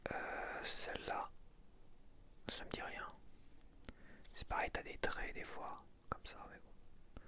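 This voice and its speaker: A man whispering softly to himself as an ASMR creator, murmuring unhurriedly as he goes through stickers. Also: takes it slowly, pauses often.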